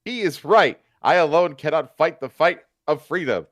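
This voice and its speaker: A man's voice: fairly high pitch, expressive, normal speed, dry recording, lightly acted. A man voicing an earnest, melodramatic American founding father in a comic story reading. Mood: tearful resolve. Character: despairing, earnest male founding father, George Washington.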